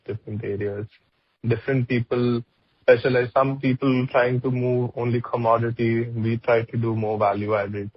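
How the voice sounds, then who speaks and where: A company executive answering an analyst's question on an earnings call, thinking aloud with many fillers. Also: male voice, medium pitch, breathy edge, no room sound. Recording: muffled conference call line.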